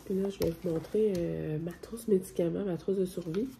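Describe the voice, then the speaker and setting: Over light background noise, a woman with a Quebec accent talks at a fairly quick pace and medium pitch. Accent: Québécois French. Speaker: family vlogger, mother; family vlogger. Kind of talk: casual vlog talk to camera. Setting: outdoors at the bus stop. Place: home room. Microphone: phone near.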